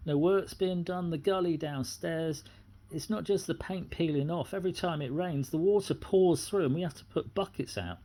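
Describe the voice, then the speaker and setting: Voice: medium pitch, moderate pace, dark tone. A middle-aged person with a British accent, speaking off the cuff as an aggrieved tenant, indignant and going back over the same points. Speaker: tenant making a complaint. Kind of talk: unscripted personal grievance monologue.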